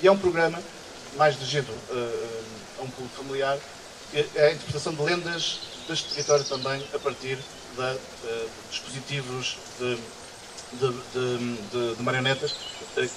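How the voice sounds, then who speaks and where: A man in his forties with a European Portuguese accent gives a public speech as festival director in an outdoor garden, speaking earnestly into a stand microphone with frequent restarts and hesitations. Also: mid-range voice. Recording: distant mic, outdoor insect and bird noise. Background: insects buzzing and birds.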